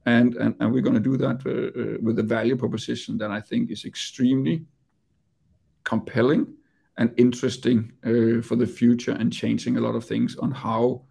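Danish businessman presenting to investors on a video call; raspy, gravelly voice, halting delivery. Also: medium pitch, flat delivery, dark tone. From Denmark. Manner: hesitant, repeats words while speaking. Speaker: company executive.

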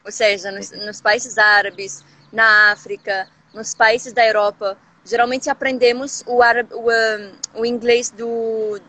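A woman's voice: a little high, pushed and bright. A woman from Morocco with a Moroccan accent, a language teacher chatting casually as a guest, often restarting her sentences. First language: Moroccan Arabic. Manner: speaks with many restarts and small hesitations. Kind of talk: casual live chat.

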